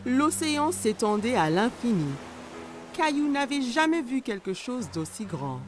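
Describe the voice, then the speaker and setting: A woman giving scripted storybook narration for a children's cartoon, expressive and aimed at young listeners. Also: fairly high pitch, measured pace, faint music behind.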